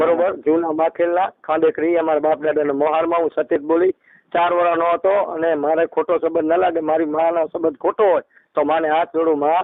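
A man is speaking. His pitch sits fairly high. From Kutch, Gujarat (Rapar taluka). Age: 60s. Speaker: distressed father calling a social worker. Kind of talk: phone call telling his family problem. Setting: phone call.

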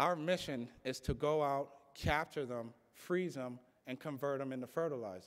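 This man has a fairly high pitch with ordinary pitch variation. His pace is moderate. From Miami, Florida (born in Jamaica). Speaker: aviator and educator. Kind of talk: motivational talk. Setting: stage with audience. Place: hall. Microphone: podium.

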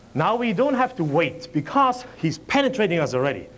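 A man speaks at a moderate pace. His pitch swings very widely. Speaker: martial arts instructor. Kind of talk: seminar demonstration. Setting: stage with audience. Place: hall.

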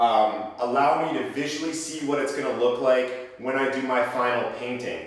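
A man's voice with strong room echo. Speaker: construction instructor. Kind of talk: tutorial. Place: home room.

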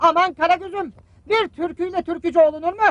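A cartoonish character voice at an extremely high pitch. The pace is moderate. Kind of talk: traditional shadow-play comedy. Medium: puppet show. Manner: polite, formal, slightly condescending.

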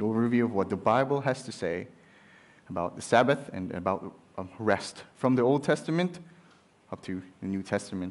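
The speaker is a man with ordinary pitch variation. He keeps to a moderate pace. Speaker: preacher. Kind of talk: sermon. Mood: warm, smiling. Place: church. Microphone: headset.

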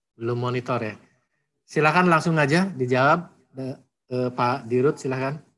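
Speaking at a moderate pace, the man has an unremarkable speaking voice, medium pitch and ordinary pitch variation. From Indonesia. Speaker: webinar moderator. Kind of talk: moderating. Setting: video call. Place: office. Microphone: video call.

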